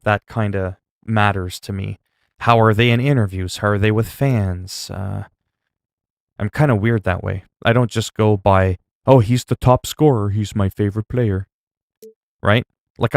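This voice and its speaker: Low gravelly streamer. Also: male voice, fairly even intonation, measured pace, no room sound, studio quality. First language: French. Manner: rambling, self-talk with laughs and asides. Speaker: gaming streamer. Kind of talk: casual gameplay chat.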